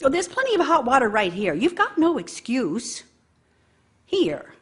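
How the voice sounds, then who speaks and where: Actress as a high-voiced, bitter nagging wife. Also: female voice, very animated, a little slow, husky, heavily acted. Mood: nagging, disgusted. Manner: scornful, sarcastic, complaining. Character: bitter, nagging, aggrieved working wife scolding her idle husband. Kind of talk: stage-style radio drama monologue.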